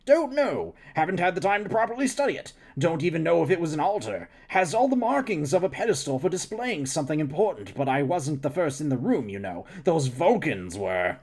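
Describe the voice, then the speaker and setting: A man's voice: fairly high pitch, big pitch swings, brisk, hardly any pauses, darkish tone, slightly rough, heavily acted. A man voicing an eager, chatty male alien scientist who lectures and rambles, while reading a novel aloud on a stream. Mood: eager lecturing.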